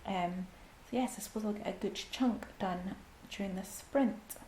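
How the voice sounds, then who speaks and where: A woman's voice: mid-range voice, normal speed, warm tone. A young woman with a Scottish accent, chatting casually in a reading vlog from home, full of ums and sometimes dropping to near-whispers. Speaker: book vlogger. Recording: echoey room with faint background hiss.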